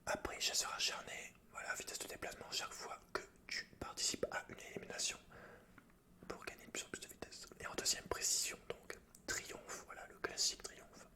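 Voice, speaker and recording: A man speaking in a breathy, unvoiced whisper with a hushed, intimate ASMR delivery. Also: a little fast. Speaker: ASMR gaming YouTuber. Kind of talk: whispered ASMR story reading and game commentary.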